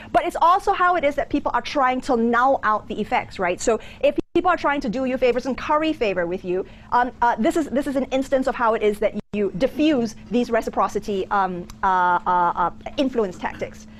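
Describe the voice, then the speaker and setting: Quick higher-voiced woman lecturing casually, singaporean-american accent, bit of room noise. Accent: mixed Singaporean and American. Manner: animated, informal, conversational. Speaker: business school lecturer. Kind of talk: interactive lecture with anecdotes. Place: lecture theatre with audience.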